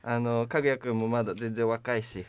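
A man's voice: mid-range voice, fairly even intonation, brisk, smooth, dry recording, close to an everyday voice. Man acting as polite, hesitant young junior performer. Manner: hesitant, deferential. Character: polite, shy young male opera troupe junior.

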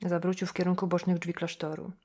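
Kobieta, lektorka audiobooka, czytająca powieść w spokojnym, wyważonym tempie. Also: female voice, lowish voice, slightly rough. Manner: measured, even reading. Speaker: audiobook narrator. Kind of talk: scripted novel narration.

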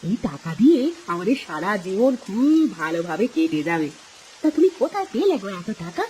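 A woman's voice: medium pitch, big pitch swings, brisk, warm tone, a little hiss or hum, lightly acted. A woman voicing a greedy, scheming village wife in a cartoon, bossy and scolding. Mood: greedy excitement. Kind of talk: dubbed cartoon acting.

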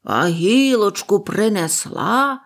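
A woman voicing a kind, sorrowful old grandfather who speaks gently and quietly. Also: medium pitch, animated, slow pace, exaggerated voice. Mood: gentle.

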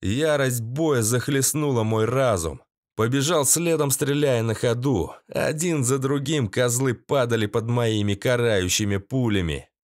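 A man's voice: medium pitch, unhurried, no echo, clean studio sound. A man reading a first-person audiobook in a tense, gritty way with crude slang. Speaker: audiobook narrator.

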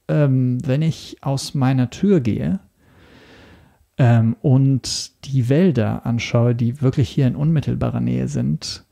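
Gravelly, hesitant man. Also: mid-range voice, warm tone. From Italy. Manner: hesitant, searching for words. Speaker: podcast guest. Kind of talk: casual interview talk.

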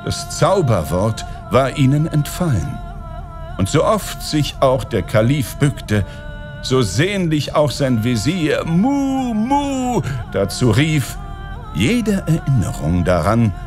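Slow, melodic male fairy-tale reader. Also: mid-range voice, music in the background. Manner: expressive storytelling. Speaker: audiobook narrator.

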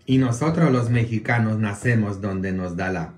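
A man's voice: fairly low pitch, echoey room. A Polish-born man, a Catholic priest whose first language is Polish, talks casually to his online viewers and keeps checking in with little "mm?" questions. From Poland. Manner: slow, drawn-out delivery with frequent "mm?" tag questions.

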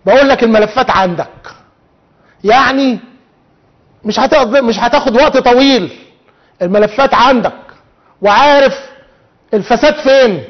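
An Egyptian TV host with a high-pitched voice delivers a fiery monologue, full of rhetorical questions for officials. The sound is dull and lo-fi. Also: male voice, moderate pace, long pauses. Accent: Egyptian Arabic. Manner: indignant, rhetorical, addresses officials directly. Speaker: TV talk show host. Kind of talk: televised monologue. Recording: dull lo-fi TV audio.

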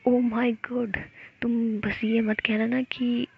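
A woman's voice: a little high, level tone, drawn-out words, gravelly, husky, narrow, tinny audio, pitched above the performer's own voice, heavily acted. A woman whispering as Jiya, a teasing young lover. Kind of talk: whispered role-play.

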